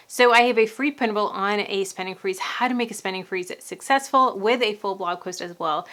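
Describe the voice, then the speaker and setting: A young adult woman with a mid-range, slightly bright voice gives upbeat money-saving tips to camera as a personal finance vlogger. Chatty and repetitive with key phrases, she's pregnant and may sound a little out of breath.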